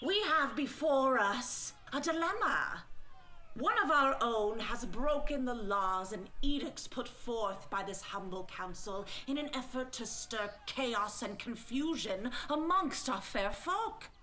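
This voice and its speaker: Woman playing a slow, imperious villainous village elder. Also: fairly high pitch, animated, pushed and bright, full character voice, poor audio. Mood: grave oratory. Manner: formal, theatrical oratory. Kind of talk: audio drama acting.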